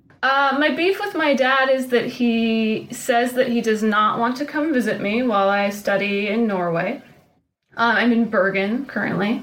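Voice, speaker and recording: A woman's normal speaking voice with an American accent, fairly high in pitch, with ordinary pitch variation at a moderate pace. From US Pacific Northwest, Seattle. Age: 30s. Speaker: graduate student. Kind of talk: casual chat.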